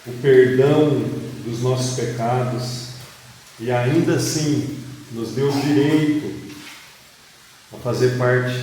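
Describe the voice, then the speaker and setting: A Brazilian man preaching and reading scripture, speaking deliberately phrase by phrase in a church hall. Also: mid-range voice, dark tone. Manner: deliberate, phrase by phrase, with rhetorical questions. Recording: very echoey hall, distant mic, faint noise.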